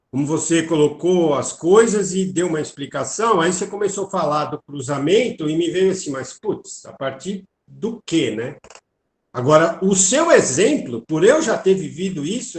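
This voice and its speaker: A Brazilian man with a high, lively voice speaking as a student in an online class. He pauses and restarts as he thinks aloud, and his audio sounds roomy and echoey. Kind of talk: asking questions in an online class.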